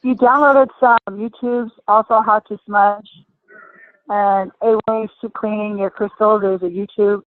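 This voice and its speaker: A woman's voice: medium pitch, fairly even intonation, measured pace, dry recording. A woman taking part in a group conference call, hesitant and searching for words. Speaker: course participant. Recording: tinny dry phone line.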